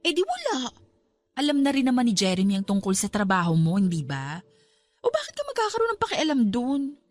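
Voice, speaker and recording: Radio drama role: practical young bar hostess pal, swooping, fairly high voice, music faintly behind. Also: female voice, huge pitch swings, brisk, a little mellow, no room sound. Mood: breezy, matter-of-fact. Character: pragmatic, breezy young female bar hostess friend. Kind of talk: Tagalog radio drama acting.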